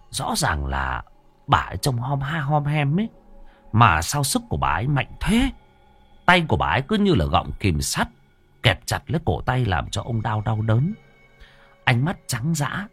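Expressive male storyteller. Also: medium pitch, slightly rough. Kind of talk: ghost story narration.

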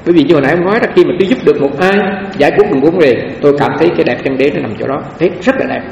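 A man speaks as a monk, telling a story in a Dharma talk at a brisk, lively clip. His voice sits somewhat high, and he often trips over repeated little words while reaching for the next thought. He is heard from across a large hall, with a long, echoey reverb and faint noise behind him. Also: vocal fry, far from the mic, muffled recording. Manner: animated, repeats words while searching for them.

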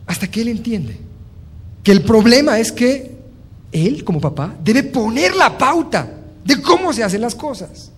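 A man's voice: very high voice, a little slow, husky. A man giving a motivational talk on leadership, telling stories with lots of fillers and restarts. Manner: animated storytelling, acting out dialogue, frequent fillers. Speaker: motivational speaker.

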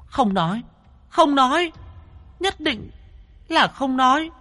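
A man's voice: extremely high pitch, animated, slow pace, bright, forceful tone, big-room sound, voice pushed up, heavily acted. Man doing a stubborn wailing little ghost girl. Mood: defiant. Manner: wailing, defiant, tearful. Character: stubborn grieving ghost girl, about five.

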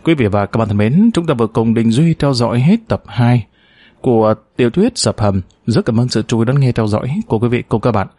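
Male audiobook narrator, steady and measured, dry close recording, mid-range voice. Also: medium pitch, no room sound.

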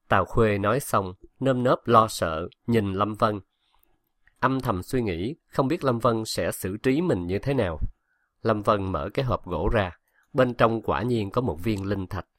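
A man narrating a fantasy web novel in a steady, even storytelling voice, barely changing it for the characters. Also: fairly low pitch, no room sound, studio quality. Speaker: audiobook narrator.

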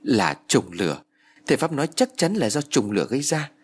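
A man's voice: mid-range voice, sing-song, a little fast, slightly rough, voice pushed up. A man playing a grieving older brother in a spoken horror story, grave and urgent, his voice choked. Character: older man, grief-stricken eldest brother.

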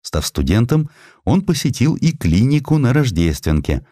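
A man's voice: medium pitch, very animated, normal speed, dark tone, dry recording, studio quality. A man reading literary narration as an audiobook narrator, with theatrical storytelling delivery. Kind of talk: expressive scripted literary narration.

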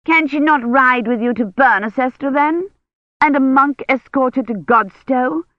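A narrator voicing an imperious, complaining old noblewoman who gives sharp commands and keeps insisting. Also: sits high, unhurried, no echo, muffled recording, voice pushed up. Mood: insistent.

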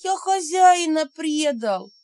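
A woman voicing a timid little male house spirit, squeaky and plaintive. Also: lively intonation, measured pace. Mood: distressed.

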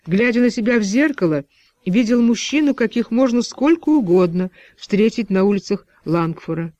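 A man narrating an audiobook in a measured, even literary reading. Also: high voice, no room sound, highs cut off.

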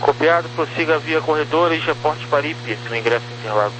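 A man's voice: fairly high pitch, a little fast, muffled recording. A man with a Brazilian accent giving clipped air traffic control instructions over a radio. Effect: radio transmission. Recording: noisy radio channel with hum.

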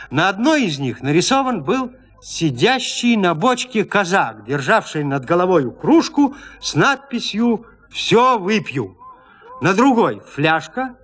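Man, audiobook narrator, classic story, lively rising and falling pitch, somewhat high voice.

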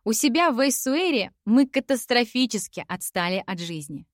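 A woman's voice: on the high side, very animated, moderate pace, dry recording, clean studio sound. A woman reading a first-person novel aloud in a reflective, wry manner. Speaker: audiobook narrator. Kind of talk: first-person literary narration.

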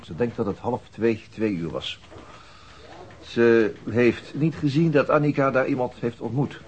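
An actor playing a methodical, sober police detective in a radio drama. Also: male voice, medium pitch, measured pace, a little mellow, muffled recording, slight background noise, lightly acted. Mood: matter-of-fact.

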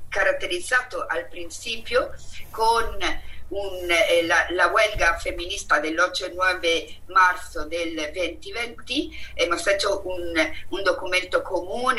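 A woman with an Italian accent, speaking Spanish as a second language at an online meeting, halting with many fillers and restarts. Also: fairly low pitch, bright, forceful tone. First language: not Spanish. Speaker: activist speaker. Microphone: video call. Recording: distant mic with faint hiss.

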